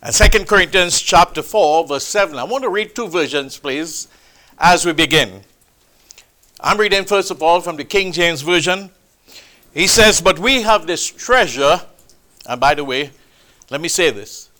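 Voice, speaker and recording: A man preaching a sermon, with a loud, booming, emphatic delivery, speaking into a microphone in a church hall. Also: animated, normal speed. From Trinidad. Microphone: handheld or stand mic.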